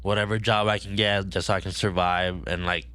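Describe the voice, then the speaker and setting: A man's voice: low-pitched, level tone, brisk, sharp tone, clear, resonant tone, no room sound. A man hosting a podcast, talking in a laid-back, casual way and agreeing often. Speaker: podcast host.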